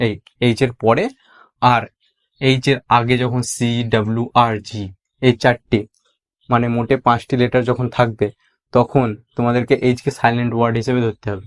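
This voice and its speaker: A man with a Bengali accent teaching a spoken English lesson, spelling out letters and repeating each example word. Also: medium pitch. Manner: explains slowly, spells out letters one by one and repeats words.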